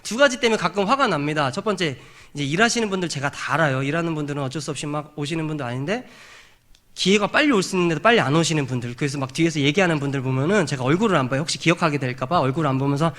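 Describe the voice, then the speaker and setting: A man's voice: a little high, animated, rapid-fire. A middle-aged male pastor preaching a sermon in a church sanctuary, building to raised, emphatic peaks. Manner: acts out trumpet blasts and shouts.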